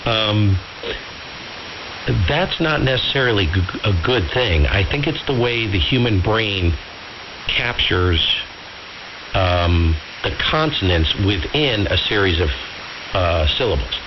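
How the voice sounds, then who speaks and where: A man's voice: on the low side, lively intonation, slow pace, muffled recording. A man chatting casually as an amateur radio operator, explaining things in a colloquial, emphatic way with frequent check-in questions. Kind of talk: casual ham radio chat. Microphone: radio transmitter audio heard over the air. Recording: very noisy, hissy AM radio signal.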